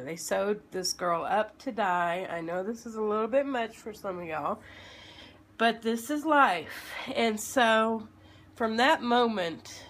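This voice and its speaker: Woman in her 30s, kinda froggy and sick, slow halting storytime talk like shes talking to kids. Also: mid-range voice, fairly bright tone, slight background noise. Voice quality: slightly froggy. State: sick with a lingering illness. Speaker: video blogger telling a personal story. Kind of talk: informal personal storytelling, as if to children.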